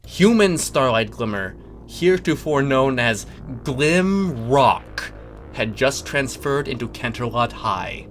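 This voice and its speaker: A man's voice: medium pitch, animated, slow, a bit bright, faint music behind. A man reading a comic story theatrically, in a wry, informal manner with dramatic delivery and offhand asides. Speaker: reader of comic fan fiction.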